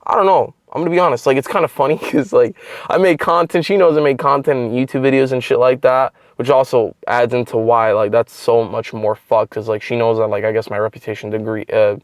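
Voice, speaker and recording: A man's voice: medium pitch, fairly even intonation, fairly quick, no echo, studio quality. A young man who makes online content telling a personal story in a casual, rambling way, swearing often and leaning on filler words. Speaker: content creator.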